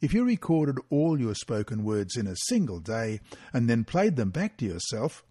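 A man reading a weekly Bible study lesson and mission story aloud, in a measured, expressive way. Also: medium pitch, husky, dry recording, clean studio sound.

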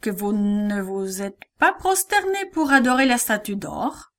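A woman voicing a furious, proud male king who roars his orders loudly in a storybook reading. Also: mid-range voice, sing-song, a little slow. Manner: loud and commanding.

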